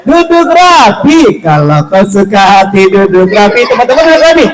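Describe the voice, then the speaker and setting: A man's voice: very high-pitched, sing-song, moderate pace, echoey room, soft background music. A man entertaining children at a mosque event, playful and coaxing, running a puppet act. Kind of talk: lively show for children. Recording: noisy live event sound.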